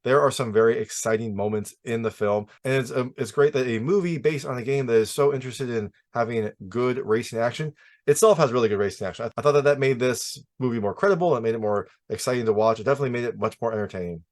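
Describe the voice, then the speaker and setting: A man's voice: medium pitch, fast talker. A man hosting a casual, opinionated film review, talking emphatically and introducing his points with repeated set phrases.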